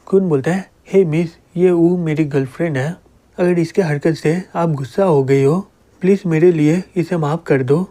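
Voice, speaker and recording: Male narrator for a comic recap, slightly high voice, mellow tone, steady storytelling delivery. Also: normal speed. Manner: reads all characters' lines in the same plain narrating voice.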